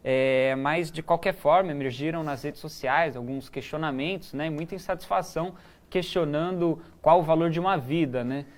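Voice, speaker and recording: A man co-presenting a newsroom talk show, relaxed and chatty, often pausing with fillers and restarting his sentences. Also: a little high. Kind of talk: casual news chat.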